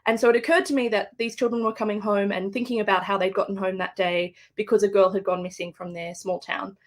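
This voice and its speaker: A woman's voice: medium pitch, steady tone, fast. An Australian woman, an author, speaking thoughtfully with fillers and restarts in a live book interview over a video call. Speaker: guest author.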